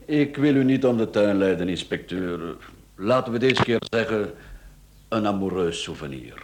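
Low-voiced, glib charmer played by a man. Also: lively intonation, moderate pace, noisy background, lightly acted. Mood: flippant, suave. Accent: Flemish. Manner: glib, flippant, teasing. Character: smooth-talking, cheeky male rogue, a performer under questioning. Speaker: radio drama actor. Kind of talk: radio play dialogue.

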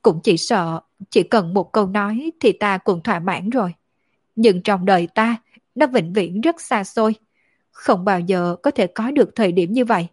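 A female audiobook reader voices a tearful young orphan woman who is lonely and grieving, speaking slowly and chokingly at a middling pitch with a breathy edge, close to an everyday voice. The mood is sorrowful, and the recording is dry and close, with no room sound around it.

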